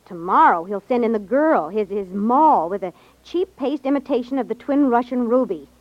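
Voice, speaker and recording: Woman acting animated, jittery young jeweler's daughter. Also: fairly high pitch, moderate pace, no echo, close to an everyday voice. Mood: suspicious. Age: young adult. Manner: anxious, earnest. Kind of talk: 1950s radio drama acting. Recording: dull 1950s radio recording.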